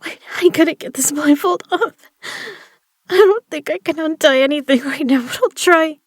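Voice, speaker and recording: High-voiced, strained woman in distress acted. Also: normal speed, dry recording, studio quality, close to an everyday voice. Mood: frightened, pleading. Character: tough battered woman poker player, desperate, swearing. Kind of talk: audio drama acting.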